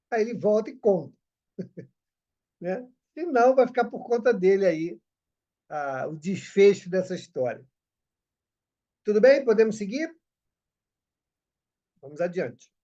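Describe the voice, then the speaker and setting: A man's voice: high-pitched, warm tone, highs cut off. A man coordinating a group study discussion, repeating his points for emphasis.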